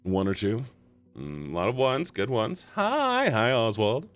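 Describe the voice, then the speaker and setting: Animated low-voiced male streamer. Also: a little slow, soft background music. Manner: animated, jumps between reading aloud and chatty asides to chat. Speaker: streamer voicing a visual novel. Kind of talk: live stream reading and reacting.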